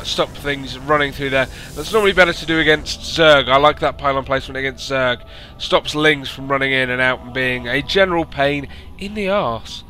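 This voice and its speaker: A man, hoarse from losing his voice, hosting and commentating a strategy game by himself and rising to excited announcing at big moments. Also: a little high, a little hiss or hum. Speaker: esports caster and show host.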